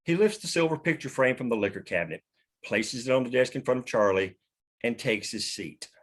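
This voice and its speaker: A man's voice: mid-range voice, expressive, fairly quick. A man reading scripted stage directions as the narrator of a screenplay table read.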